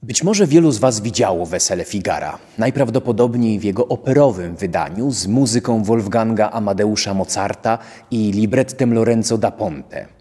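A man's voice: on the low side, moderate pace, few pauses, mellow, slightly rough. A young man giving a scripted presentation to camera as a presenter. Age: young adult. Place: indoors in a theatre, before a press wall. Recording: long hall-like reverb.

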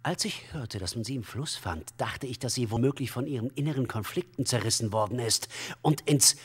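An actor playing an esoteric male commune leader in a crime radio drama, unctuous and evasive, speaking in a halting, solemn, flowery way. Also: mid-range voice, husky, heavily acted. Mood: indignant. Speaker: suspect under police questioning. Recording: long hall reverb.

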